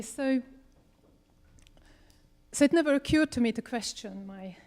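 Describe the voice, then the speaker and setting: A woman from Hungary, presenting her book as a dramaturg in a measured public talk with frequent hesitations, holding a microphone. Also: medium pitch, dark tone. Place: theater event space. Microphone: handheld microphone.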